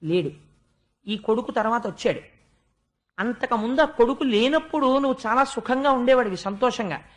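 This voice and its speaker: A man voicing a wise old sage who gently reasons with a grieving king. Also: extremely high pitch, normal speed. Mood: reasoning.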